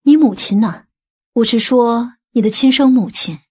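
A woman's voice: fairly high pitch, normal speed, warm tone, slightly rough. A woman playing an inquisitive, sleepless aunt in an audiobook crime novel, with a direct, questioning manner. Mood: curious.

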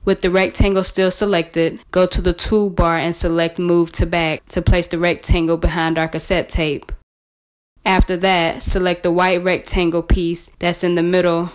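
A woman with a fairly low voice and little pitch movement presents a scripted, step-by-step software tutorial in a measured, instructional manner.

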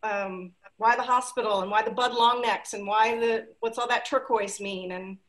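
A woman in her forties, a playwright, telling a heartfelt story softly over a video call from home. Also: a little high, fairly even intonation, moderate pace, poor audio. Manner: heartfelt, soft, trailing off, emotional. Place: home living room.

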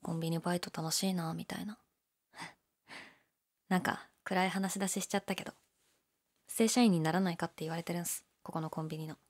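A young woman playing a laid-back, shyly candid gyaru convenience-store clerk in an audio drama, with a breathy, hesitant, mumbled delivery. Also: fairly even intonation, fairly quick, long pauses. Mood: low-key, candid. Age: young adult. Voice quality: low, breathy. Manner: listless, hesitant, mumbled casual polite speech. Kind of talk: male-oriented situation voice drama, casual chat.

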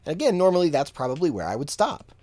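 Relaxed man explaining a mix. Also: a little high, fast talker, soft background music. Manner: relaxed, thinking aloud with fillers. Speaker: mixing engineer and tutor. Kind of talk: casual screen-share tutorial. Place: home studio room.

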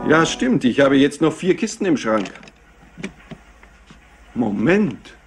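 An actor playing a stiff, guarded, imperious company executive in a crime radio play, speaking formally and curtly. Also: male voice, mid-range voice, very animated, soft background music. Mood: curt, puzzled. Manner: formal, curt, measured.

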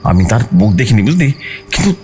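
A man's voice: on the low side, sing-song, a little fast, darkish tone. A man voicing a frightened young man who speaks urgently and colloquially to a friend in a horror story. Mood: panicked, frightened. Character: panicked young man phoning his friend at night. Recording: music bed behind the voice.

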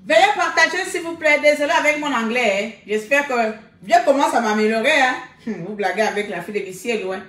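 A woman's voice: on the high side, lively intonation, moderate pace, a bit bright. A woman hosting a casual live stream, talking animatedly and repeating exclamations. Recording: echoey room.

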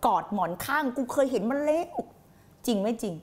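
A woman's voice: a little high, expressive, fairly quick. A woman life coach on a late-night motivational live stream, blunt and crude with heavy slang, fiery and intense as she answers viewers. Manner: fiery and intense, reads viewer comments aloud.

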